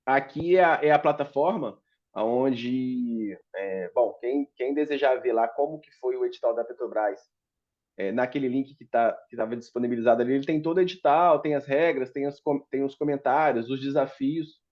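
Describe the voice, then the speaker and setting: A man's voice: mid-range voice, moderate pace, muffled recording. Hesitant man presenting on a panel. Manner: hesitant, many fillers and restarts. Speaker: startup founder presenting a case. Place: meeting room at a public forum.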